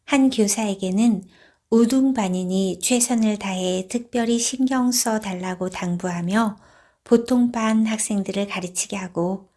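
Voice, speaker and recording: A woman reading a book aloud as narrator in a soft, hushed, gentle voice that turns whispery at moments. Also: medium pitch.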